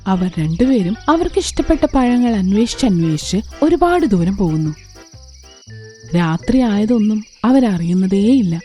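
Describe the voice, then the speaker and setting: A woman's voice: mid-range voice, animated, a little slow, mellow, faint music behind. A woman narrating a children's story as a scripted storyteller.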